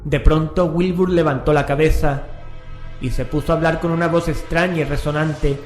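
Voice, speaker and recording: A man's voice: fairly high pitch, steady tone, normal speed. A man narrating a scripted horror story in a solemn, dramatic manner. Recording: echoing, music underneath.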